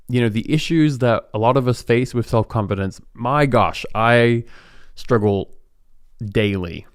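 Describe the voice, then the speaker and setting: A young man with a lowish voice hosts a podcast, musing aloud in a chatty, reflective way and often restarting his sentences. He is recorded close to the mic in a dry, dead-sounding space. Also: dry recording. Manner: reflective, chatty, lots of fillers and self-corrections. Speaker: podcast host. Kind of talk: relaxed podcast monologue.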